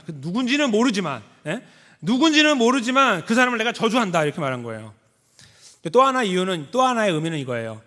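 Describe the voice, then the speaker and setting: A man preaching a sermon as pastor, acting out quoted lines with sudden jumps up in pitch. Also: a bit bright. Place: church sanctuary. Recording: long hall reverb, church sanctuary.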